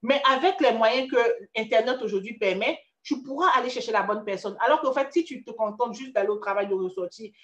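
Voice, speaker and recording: Ivorian woman career coach, chatty and direct, higher voice, echoey room. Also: a little fast, hardly any pauses, lo-fi sound. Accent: Ivorian French. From Ivory Coast. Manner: chatty, addresses listener as tu, frequent restarts. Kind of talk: casual motivational talk.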